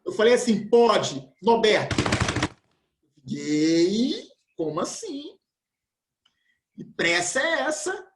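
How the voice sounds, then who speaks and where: A man's voice: high-pitched, very animated, slow, pauses often, slight background noise. A man teaching a biology class in a casual, slangy way. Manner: casual, slangy, says "velho" and "pessoal". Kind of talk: remote class, chatty explanation. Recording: echoey room.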